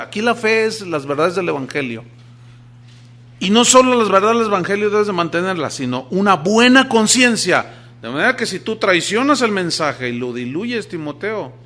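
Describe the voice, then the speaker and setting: A man's voice: high-pitched, pushed and bright. A middle-aged man preaching a sermon, emphatic, telling stories and asking rhetorical questions. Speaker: pastor.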